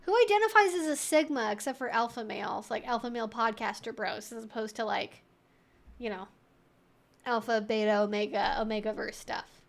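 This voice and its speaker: A woman's voice: on the high side, moderate pace, creaky. A woman hosting a live Q&A stream, thinking aloud in an informal, chatty, wry and opinionated way.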